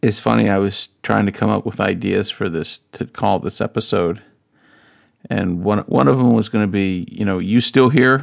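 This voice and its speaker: Against a quiet background, a man with a plain, everyday voice speaks at a moderate pace, his fairly low pitch rising and falling in lively intonation. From North Carolina, US South. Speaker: podcast host. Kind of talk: solo podcast monologue.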